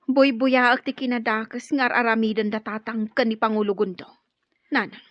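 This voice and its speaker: A woman's voice: on the high side, level tone, normal speed, dry recording, close to an everyday voice. An actress playing an anxious, troubled woman of a tribal family, fretful and pleading, with an Ilocano accent, in a radio drama. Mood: upset, pleading. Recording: muffled, band-limited radio drama recording.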